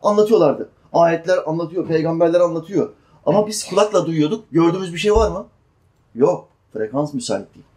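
Man with a dark voice preaching a sermon. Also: fairly high pitch, expressive. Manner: chants Quranic verses slowly, then explains in plain speech; asks the listeners questions and answers them. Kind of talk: Quran commentary sermon.

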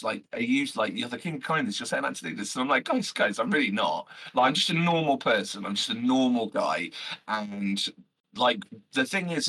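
Man, loud brash voice, bright and forceful, husky edge, podcast guest. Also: medium pitch, poor audio. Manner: animated, swears freely, many fillers. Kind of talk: passionate casual chat.

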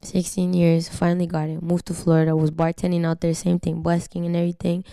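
Low creaky young woman, Spanish first language. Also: monotone, fast talker, warm tone, dry recording, clean studio sound. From Canada. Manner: candid, slangy and swearing freely. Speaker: guest singer. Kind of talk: casual interview talk.

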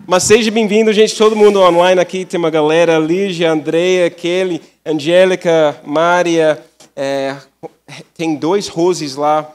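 An American pastor, a native English speaker, preaching in halting Portuguese and in English with jokey asides. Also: male voice, fairly high pitch, steady tone, darkish tone, clean tone, in a large hall. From United States. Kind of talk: sermon with live interpreter. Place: church hall.

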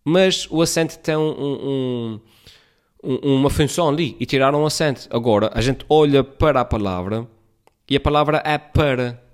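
A man's voice: medium pitch, normal speed, clear, resonant tone. Sarcastic ranting man, European Portuguese accent. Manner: rambling with many restarts. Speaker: vlogger. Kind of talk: casual talk to camera.

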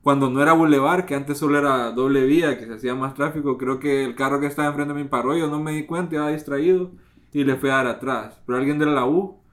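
Young man, casual podcast chat, relaxed slangy storyteller, mid pitch. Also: fast talker. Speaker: podcast host.

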